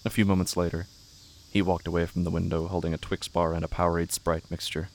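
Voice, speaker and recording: A man with a gravelly voice narrating a literary horror audio drama in measured, somber, short phrases. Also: deep voice, flat delivery, darkish tone. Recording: faint background noise with night insects.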